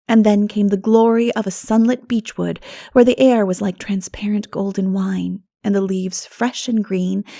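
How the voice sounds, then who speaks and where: A woman reading a classic novel aloud as an expressive audiobook narrator. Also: mid-range voice, gravelly, dry recording, clean studio sound.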